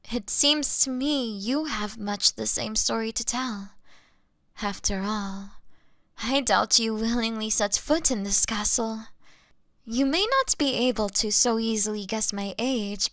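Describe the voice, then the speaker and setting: Woman acting a slow-speaking, courteous young vampire. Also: a little high, no echo. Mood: regretful. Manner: formal, polite, softly deliberate. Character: young courteous female vampire, apologetic, refined and gentle. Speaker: audio drama performer. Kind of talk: intimate scripted audio roleplay acting.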